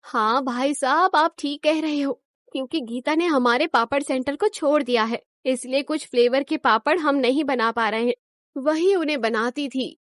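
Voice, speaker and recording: A woman voicing a calm, fair-minded woman who runs a papad workshop in a cartoon story, speaking patiently and reasonably. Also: sits high, normal speed, no room sound, studio quality. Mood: explaining.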